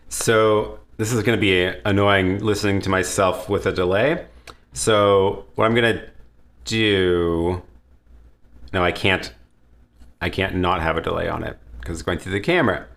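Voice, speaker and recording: Deep-voiced man hosting a casual tech livestream. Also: unhurried, long pauses. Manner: relaxed, thinks aloud with many restarts. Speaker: livestream host answering viewer questions. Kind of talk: casual live Q&A. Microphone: headset or desk mic with headphones.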